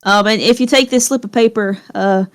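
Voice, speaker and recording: A woman voicing a middle-aged male town official in a tabletop game, folksy and grateful, with a Southern US accent and a hesitant, drawn-out delivery. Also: medium pitch, clear, resonant tone, natural voice. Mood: grateful, relieved.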